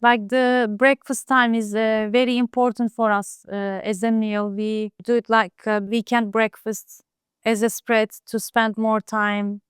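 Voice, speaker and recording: A woman, a home cook talking casually in an interview, soft-spoken and hesitant with many fillers. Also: fairly high pitch, little pitch movement, unhurried, smooth, no room sound, studio quality. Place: home in Istanbul.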